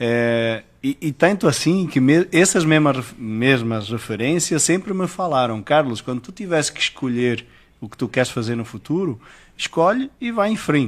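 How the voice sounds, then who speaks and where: A man speaks at a fairly high pitch and moderate pace, with very wide pitch swings. The recording is very clean, the background silent. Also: big swings in loudness. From Portugal. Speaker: civil engineer, construction union president. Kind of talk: podcast interview.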